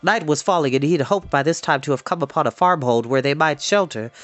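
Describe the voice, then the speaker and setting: A man reading a fantasy novel aloud in an expressive narrating style. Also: a little high, quick pace, no echo. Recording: music behind the voice. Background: background music.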